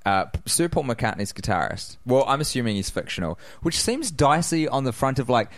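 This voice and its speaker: Male co-host, loose and chatty, laughs easily, mid-pitched, dry studio feel. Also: sing-song, a little fast, no room sound. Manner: chatty, swearing, laughs often. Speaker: podcast co-host. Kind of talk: casual comedy podcast chat.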